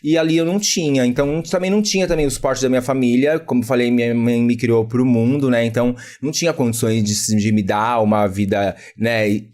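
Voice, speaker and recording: A man's voice: mid-range voice, steady tone, a little fast, few pauses, darkish tone. São Paulo man in his thirties, chatting. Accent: São Paulo Brazilian. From São Paulo, Brazil. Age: 30s. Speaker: podcast guest. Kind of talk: casual conversational storytelling.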